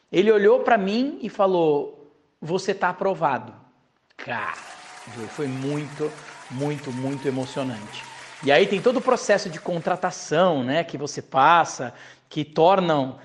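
A man being interviewed about his past voice acting work, telling his story earnestly and often repeating words. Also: on the high side. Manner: warm, earnest, repeats himself and addresses the host as "cara". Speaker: voice actor guest.

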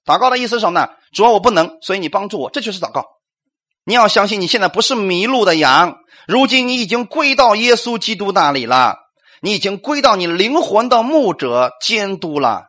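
High, animated male preacher. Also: a little fast. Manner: animated, rhetorical questions, acts out quotes, calls for amens. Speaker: pastor. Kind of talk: sermon.

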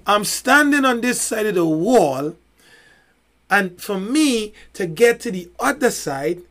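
A man's voice: sits high, expressive, a bit bright. A man co-hosting a casual podcast discussion, making emphatic points with rhetorical questions and long analogies. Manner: fills pauses with many "you know"s. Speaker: podcast co-host.

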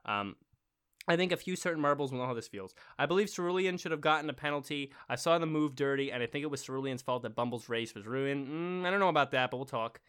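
A man's voice: mid-range voice, fast, a bit bright, smooth. A young man co-hosting a podcast, reading listener emails aloud and rambling with lots of fillers, getting worked up about marble racing. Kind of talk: casual chat.

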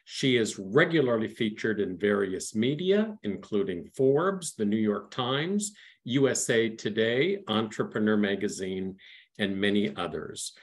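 Slow, measured male podcast host. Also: fairly low pitch, expressive. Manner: measured, with hesitant uhs. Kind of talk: interview hosting, reading an introduction.

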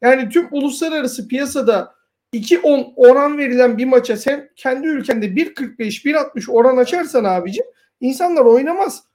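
A woman's voice: high-pitched, lively intonation, brisk, a little mellow. A woman co-hosting a casual talk, giving informal, sardonic commentary and explaining her points at length. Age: adult past university years. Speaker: co-host.

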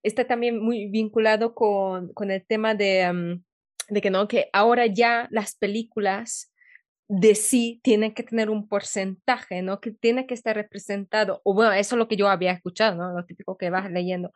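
A woman's voice: medium pitch, fairly even intonation, moderate pace, no echo. A woman hosts a casual podcast interview, thinking aloud as she talks. She halts and restarts often, and her voice is recorded close and dry. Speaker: podcast host.

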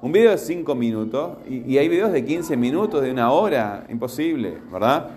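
A man's voice: medium pitch, big pitch swings, normal speed, darkish tone. A man teaching a class, patiently questioning his students as he goes. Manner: patient, asks the class repeatedly.

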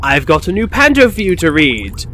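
A man playing a theatrical, hesitant wizard in an audio pantomime, with dramatic pauses. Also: fairly high pitch, huge pitch swings, bright, forceful tone, a little hiss or hum, heavily acted. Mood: evasive, persuading. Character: Merlin, theatrical male wizard, hesitant and scheming. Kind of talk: pantomime radio acting. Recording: long hall reverb, music underneath.

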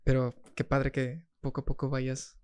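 Podcast host, reflective and encouraging, mid-pitched and monotone. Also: moderate pace, smooth. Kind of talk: casual interview chat.

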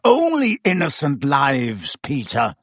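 Guy doing an angry vengeful man in an audiobook, gravelly and snarling, swings up and down, menacing. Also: mid-range voice, big pitch swings, unhurried, dry recording, heavily acted. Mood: accusing fury. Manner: roaring, snarling, growling.

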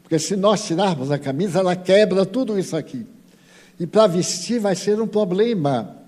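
A man's voice: high voice, expressive, normal speed, dark tone, pitched above the performer's own voice. A man voicing an anxious young hospital orderly who insists firmly on keeping the restraint on. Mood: worried. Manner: insistent, worried. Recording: long hall reverb.

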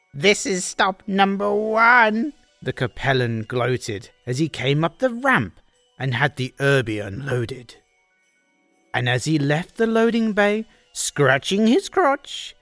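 A woman host narrating a rhyming holiday fan story in an expressive, sing-song, dramatic reading. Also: deep voice, dry recording.

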